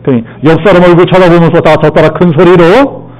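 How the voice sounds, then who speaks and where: A man's voice: high-pitched, steady tone, brisk, a little mellow, poor audio. A male pastor preaching a sermon, repeating key phrases, asking and answering his own questions, and leading the congregation through the reading. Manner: leads congregation in call-and-response and Bible lookup. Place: church sanctuary.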